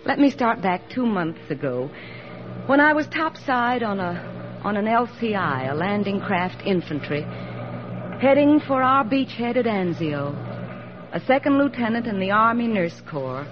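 An actress playing an earnest young army nurse, talking in a reflective, confiding way in a 1940s radio drama, on a muffled old broadcast recording. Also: female voice, mid-range voice, very animated, measured pace, noisy background. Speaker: lead actress.

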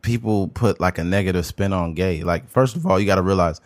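A man's voice: sits low, fairly quick, dry recording. A man co-hosting a podcast in casual chat, talking loosely and rambling with lots of filler words. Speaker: podcast co-host.

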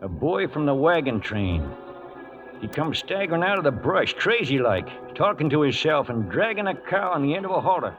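Folksy old-West cowhand, lively swooping voice. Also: male voice, a little high, normal speed, lo-fi sound. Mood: reminiscing. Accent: American. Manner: rustic, drawling cowboy grammar. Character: folksy loyal trail cowhand, narrating his old tale. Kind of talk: 1940s-1950s radio western acting. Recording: old radio recording with music behind.

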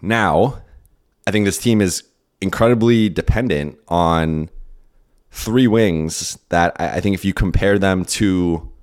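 A hoarse, worn-out man hosting a solo podcast, answering listener questions in a rambling, casual way with many restarts. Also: low-pitched, slow pace. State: hoarse, lost his voice and tired. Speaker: podcast host and basketball beat writer.

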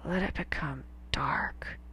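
A woman voicing a dying, gruff old male weapons teacher, speaking in a slow, halting whisper. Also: deep voice, sharp tone, voice pushed down, exaggerated voice.

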